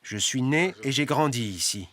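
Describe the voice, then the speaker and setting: A man's voice: mid-range voice, animated, normal speed, a crowd in the background, natural voice. Bitter, defiant Ukrainian man in his sixties voiced by a man. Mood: proud, indignant. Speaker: voice-over dubbing artist. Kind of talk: documentary voice-over translation.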